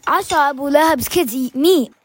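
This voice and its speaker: A woman's voice: high voice, moderate pace, a little hiss or hum, natural voice. A woman playing an eager, questioning young child in an audio story, plaintive and childlike. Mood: plaintive, curious. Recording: loud clinking dishes behind.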